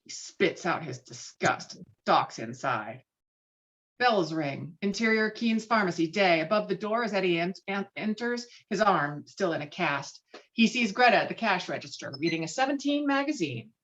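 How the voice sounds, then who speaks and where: A woman's voice: lowish voice, expressive, moderate pace, a bit bright, lo-fi sound. A woman narrating screenplay stage directions with a dramatic, emphatic read on a video call.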